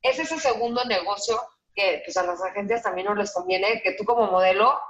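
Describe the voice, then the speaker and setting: A woman's voice: mid-range voice, brisk, a bit bright, roomy sound, dull audio. A woman, hosting a podcast in casual chat and backing up her guest with short agreeing remarks. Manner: frequent short agreeing interjections.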